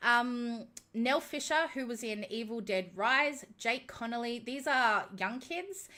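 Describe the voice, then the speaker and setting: Speaking very slowly in an Australian accent, a woman has a high, bright, sharp voice with ordinary pitch variation, on a very clean recording with a silent background. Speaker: YouTuber. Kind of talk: live stream chat. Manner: stutters when excited.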